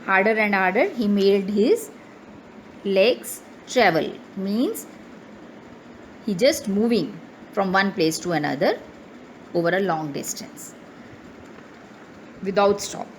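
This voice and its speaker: A young woman with an Indian English accent teaches an online class, reading a story and then explaining it. She speaks slowly, her pitch rising and falling a lot, and often asks "right?" to check that students follow. A faint hiss of room noise sits under her voice. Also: animated, poor audio.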